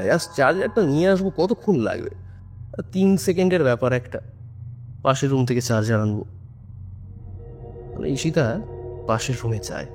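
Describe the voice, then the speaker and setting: Music runs beneath this man's medium-pitched, slightly mellow voice. He narrates informally and builds suspense, much like someone on a ghost story podcast.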